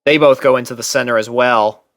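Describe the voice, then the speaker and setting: A man's voice: medium pitch, steady tone, a little fast, fairly bright tone, no room sound, studio quality. A man reading scripted first-person fiction aloud as a story narrator. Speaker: narrator and reader.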